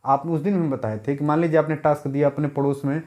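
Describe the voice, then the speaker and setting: Guy teaching an exam prep class, kinda high voice, keeps repeating stuff and asking questions back at you. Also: flat delivery, fast, darkish tone. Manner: repeats key words, asks the class rhetorical questions.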